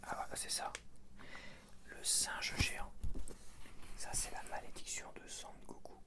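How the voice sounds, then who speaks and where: A man speaking in an unvoiced whisper, chatting casually and informally in a rambling, self-correcting ASMR style. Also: takes it slowly. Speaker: ASMR video creator.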